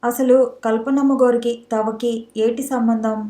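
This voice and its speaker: A woman's voice: a little high, steady tone, unhurried, warm tone, reverberant, lightly acted. A woman voicing a frank, earnest village maidservant who speaks in rustic village dialect. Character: village maidservant, middle-aged, earnest and blunt.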